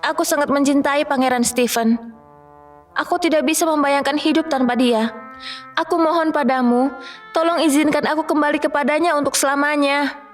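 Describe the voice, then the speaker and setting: A woman's voice: high-pitched, fairly even intonation, normal speed, soft background music, close to an everyday voice. A woman playing a young lovelorn fairy, earnest and dramatic, in a children's fairy tale cartoon. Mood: pleading.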